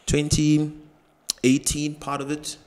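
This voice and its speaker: A young man co-hosting a podcast in a small studio, talking reflectively with halting restarts. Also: a little high, monotone, a little mellow. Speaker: podcast co-host. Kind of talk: casual panel discussion. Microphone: studio mic with headphones.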